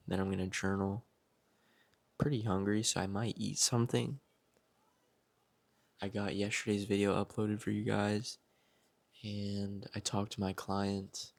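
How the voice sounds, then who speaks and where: A man's voice: on the low side, gravelly. A young man talking casually to the camera at home in a vlog, reflective and self-motivating. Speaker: vlogger. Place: at home, indoors.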